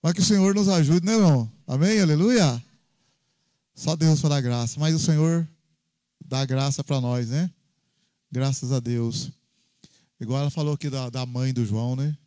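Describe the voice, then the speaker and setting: Preaching casually in a church, this Brazilian Portuguese-accented pastor tells stories from his own life, peppering them with frequent, lively tag questions. He has a mid-range voice and a moderate pace marked by long pauses, and the recording is dry.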